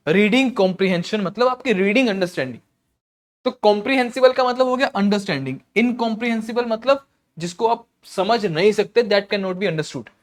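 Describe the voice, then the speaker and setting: A man teaching exam vocabulary in a Hindi-English mix, explaining slowly, repeating words and checking in with "okay" as he goes. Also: high voice. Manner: clears throat often.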